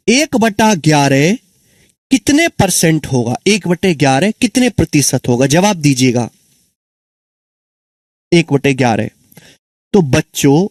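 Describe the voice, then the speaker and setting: High-voiced male maths teacher, dry sound. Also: no room sound. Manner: repeats answers, asks students questions; calls students children and friends. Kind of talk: exam-prep maths lesson.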